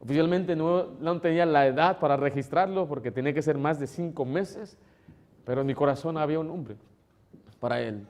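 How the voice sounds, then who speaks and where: A man preaching a sermon as pastor, emotional, moving between loud exclamations and soft, tender asides, sometimes acting out relatives in a higher tone. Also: a little fast. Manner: acts out voices of relatives in a higher tone.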